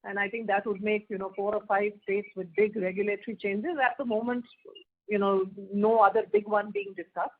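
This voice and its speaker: A woman's voice: medium pitch, fairly quick. Indian woman executive on a narrow phone line. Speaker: company executive answering analysts. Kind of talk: earnings call question and answer. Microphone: telephone.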